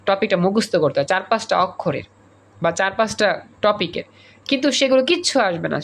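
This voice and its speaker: A man's voice: sits high, fairly bright tone. A male teacher, teaching an online class over a video call and drilling students with repeated questions and examples. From Bangladesh.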